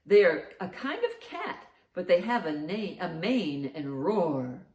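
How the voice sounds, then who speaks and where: Reading to young children and asking them riddles, a storytime host speaks slowly in a fairly low, darkish, very animated voice. She encourages them and responds to answers with big, exaggerated reactions. The space sounds roomy and echoing.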